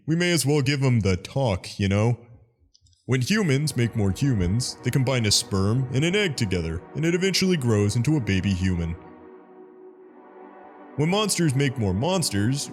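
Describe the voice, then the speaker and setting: A man voicing a laid-back, wisecracking skeleton monster in a casual, deadpan way for a fan comic dub. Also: medium pitch, lightly acted.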